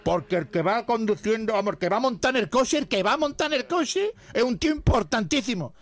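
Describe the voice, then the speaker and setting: A man's voice: very high voice, lively intonation, fast talker, pitched above the performer's own voice. A man voicing a frantic male motorcycle policeman. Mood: urgent.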